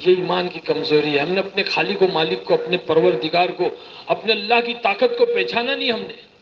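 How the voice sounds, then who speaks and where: A man giving an animated, storytelling sermon and mimicking the people in his stories. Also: sits high, normal speed. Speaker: preacher giving a religious talk. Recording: slightly muffled recording with faint hiss.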